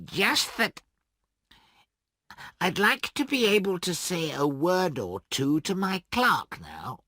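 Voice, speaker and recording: Man voicing an old miser, anguished, high strained pleading, slow delivery. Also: big pitch swings, bright, forceful tone, no echo, studio quality, full character voice. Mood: hesitant.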